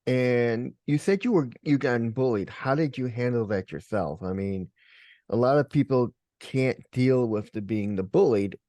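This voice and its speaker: A man's voice: mid-range voice, normal speed, dark tone, no echo. A man hosting an interview show, asking plain, direct questions. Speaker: podcast host.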